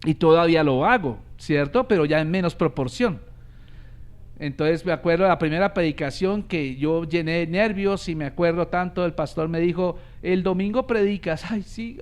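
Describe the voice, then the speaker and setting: A man, a pastor preaching a sermon from a church pulpit, shifting between loud exhortation and quiet storytelling. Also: fairly high pitch, moderate pace, clean tone.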